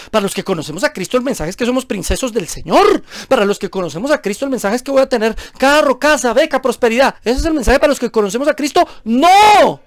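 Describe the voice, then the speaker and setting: A man's voice: very high voice, no room sound. Man, pastor, sermon, emphatic, rhetorical questions, dry recording.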